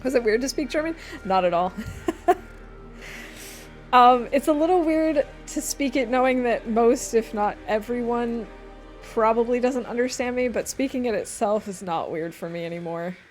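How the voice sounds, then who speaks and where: A woman whose first language is English streams a game, chatting casually and thinking aloud with plenty of fillers. Her voice is on the high side, her pace moderate, and soft music plays in the background.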